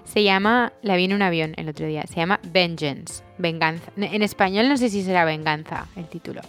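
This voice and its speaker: A chatty woman, co-hosting a podcast in relaxed conversation. She tells long, rambling stories, with quick bursts between pauses. Faint music plays behind her. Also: fairly low pitch. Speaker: podcast co-host. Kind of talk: casual chat.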